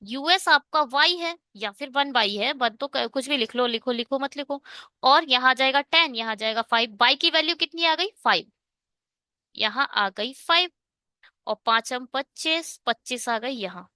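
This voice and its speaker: A woman's voice: high voice, lively intonation, moderate pace, pushed and bright, no room sound, clean studio sound. A woman teaching an online exam-prep math lesson, working through a problem step by step and asking and answering her own questions.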